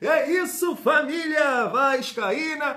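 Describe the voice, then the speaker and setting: A man projects a raised voice with a bright, sharp tone. He speaks very slowly, and the room echo is audible. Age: 30s. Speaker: football fan channel host. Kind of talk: casual vlog talk to viewers.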